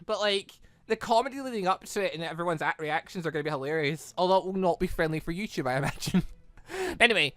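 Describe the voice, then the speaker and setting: A bright, forceful voice with a clean, smooth tone, chatting through a visual novel let's play. The delivery is casual and rambling, wandering off on tangents, and the sound is dry and close. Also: medium pitch, fast talker, dry recording. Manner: rambling, chatty, frequently side-tracked. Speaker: gaming video creator, narrator.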